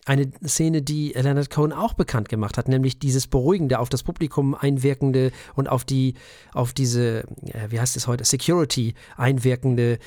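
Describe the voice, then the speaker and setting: A man's voice: medium pitch, fairly even intonation, normal speed, warm tone, no room sound. Wry man co-host, dry close sound. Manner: wry, joking, trails off mid-sentence. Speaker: podcast co-host. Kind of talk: casual chat.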